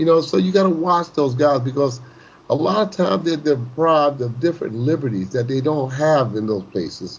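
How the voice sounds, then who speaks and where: Talking at a fairly quick pace, a man speaks in a fairly high, somewhat breathy voice with lively intonation. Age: 60s. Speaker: boxing trainer. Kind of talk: casual interview. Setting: online call.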